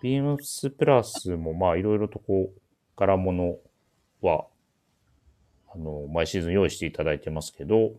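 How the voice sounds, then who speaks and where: A man with a very deep voice hosts a menswear shop's radio show. He introduces clothes in a casual but polite way. He often hesitates and thinks aloud as he goes. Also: normal speed, long pauses, warm tone.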